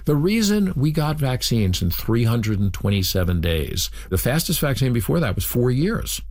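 A man's voice: mid-range voice, big pitch swings, normal speed, a little mellow. A man answering interview questions on radio in an earnest, explanatory way, often restarting his sentences. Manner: earnest, explanatory, with repeated starts. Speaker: interview guest.

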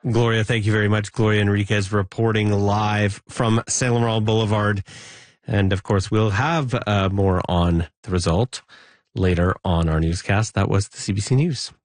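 A man anchoring a live newscast in a steady, measured way. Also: fairly low pitch, dry recording. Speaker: news anchor.

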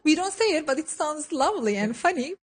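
A woman from Turkey, bubbly and animated in an interview, recorded at a distance from the mic. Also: high voice, fairly quick. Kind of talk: street interview.

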